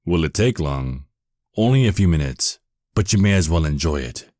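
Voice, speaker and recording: A man's voice: low voice, animated, normal speed, dark tone, no echo, studio quality. A man playing a stern, self-righteous archangel in an audio drama, speaking in a cold, commanding, condescending way. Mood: cold, menacing.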